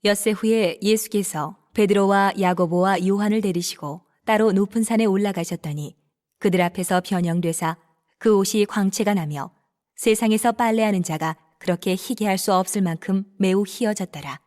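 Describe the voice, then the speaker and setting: Woman calmly narrating scripture. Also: medium pitch, moderate pace.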